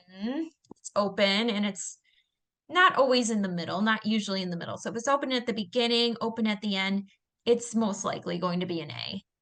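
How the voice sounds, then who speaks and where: Speaking at a fairly quick pace, a woman with a Midwestern accent has a fairly high pitch with ordinary variation. Her loudness swings widely. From US Midwest, Wisconsin. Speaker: literacy educator. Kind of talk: casual chat.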